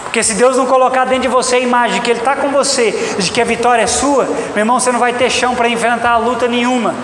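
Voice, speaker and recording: A Brazilian preacher talks very fast in a very high voice with a steady tone, emphatically repeating his points to the congregation he addresses directly. Recorded in a reverberant church hall, the audio is echoey and heavy with background noise.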